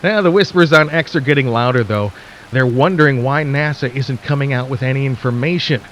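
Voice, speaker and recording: A man playing a folksy late-night radio DJ in a radio drama, speaking intimately and conversationally to listeners with theatrical pauses and a skeptical, intrigued air. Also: mid-range voice, a bit bright, a little hiss or hum, natural voice. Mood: hushed intrigue. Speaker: radio host.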